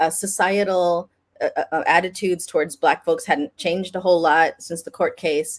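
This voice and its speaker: At a fairly quick pace, a woman with a General American accent and a fairly low pitch speaks with ordinary pitch variation on a very clean recording with a silent background. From Tempe, Arizona. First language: German. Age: 50s. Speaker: early childhood mental health expert. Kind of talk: interview.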